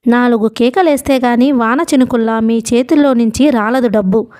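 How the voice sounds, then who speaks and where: A woman voicing a coarse, bullying male loan collector who shouts rudely, in a storybook reading. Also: fairly high pitch, normal speed, natural voice. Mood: rough, scornful. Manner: loud, rude, shouting.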